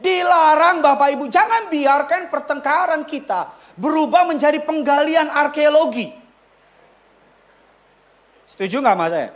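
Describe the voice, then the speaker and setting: A male pastor preaching a sermon in a church, repeating his points with emphasis and swinging between loud punches and quiet asides. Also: extremely high pitch, expressive, unhurried, pauses often. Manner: emphatic, repeats key lines for the congregation.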